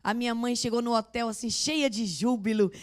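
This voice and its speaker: An older woman pastor from Northeast Brazil with a Northeastern accent, preaching and telling animated stories. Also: moderate pace. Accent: Northeastern Brazilian Portuguese. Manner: animated storytelling, loud booming laugh; acts out voices of people in her stories. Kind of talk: sermon.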